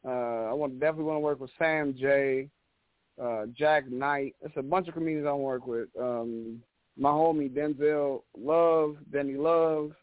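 At a normal speed and medium pitch, this Chicago comedian, around thirty, animatedly rambles through profane anecdotes as an interview guest. The audio has a dry, narrow, phone-like quality and no echo.

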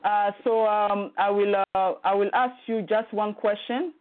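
A woman hosts a live interview in a polite, halting way. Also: medium pitch, steady tone. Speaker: interviewer, guest host. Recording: tinny phone line.

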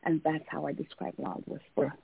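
A woman's voice: sits low, level tone, moderate pace, gravelly, husky. Earnest Tanzanian-born woman on a phone line. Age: adult, came to America at seventeen for college. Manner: earnest, emphatic, spiritual. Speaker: guest, life coach. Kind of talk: radio interview.

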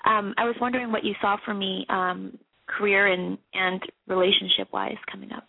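A woman's voice: mid-range voice, little pitch movement, moderate pace, gravelly, breathy edge, no room sound. A woman calling in to a show, speaking casually, politely and a bit hesitantly over the telephone. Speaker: caller. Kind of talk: casual phone conversation. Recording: narrow telephone line.

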